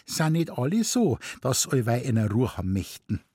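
A woman's voice: a bass voice, very animated, normal speed, dark tone, breathy edge, no room sound, clean studio sound, heavily acted. A man reading aloud voices a plaintive, nagging Munich wife in broad Bavarian dialect. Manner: plaintive, scolding, pleading.

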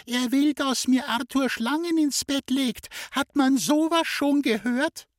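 Man doing a shrill, indignant plump girl. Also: measured pace, dry recording, studio quality.

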